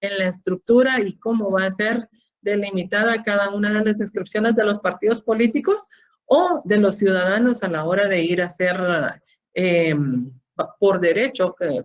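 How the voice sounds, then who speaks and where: A woman with a Guatemalan accent, a law lecturer explaining course material and often adding questioning tags. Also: medium pitch. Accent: Guatemalan Spanish. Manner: explanatory, frequent tag questions and fillers. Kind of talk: online class lecture. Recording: dull lo-fi audio.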